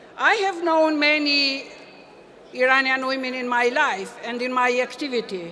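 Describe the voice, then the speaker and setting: In an Albanian accent, a woman with a high pitch for a woman speaks at a very slow pace in a raised, projected voice, with audible room echo. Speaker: politician. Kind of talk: conference speech.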